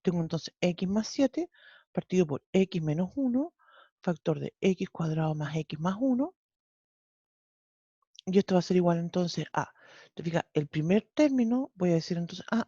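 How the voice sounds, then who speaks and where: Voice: mid-range voice, dark tone, no echo. A math teacher with a Chilean accent, teaching an online class step by step and often checking in with the students. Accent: Chilean Spanish. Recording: dull lo-fi online class audio.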